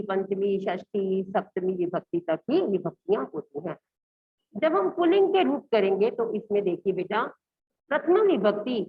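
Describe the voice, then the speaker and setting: A woman teacher with a fairly high voice leads a recorded lesson. She speaks to her pupils fondly as "beta" and steps through grammar forms one at a time. The recording is dull and lo-fi. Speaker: school Sanskrit teacher.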